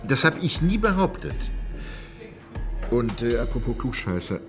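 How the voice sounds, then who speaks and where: A slow pedantic quibbler. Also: male voice, mid-range voice, big pitch swings, over music. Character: pedantic, evasive man under questioning.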